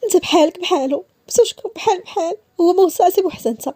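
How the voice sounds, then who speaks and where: A woman voicing a furious young wife who shouts in a high, strained Moroccan voice. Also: rapid-fire, no echo.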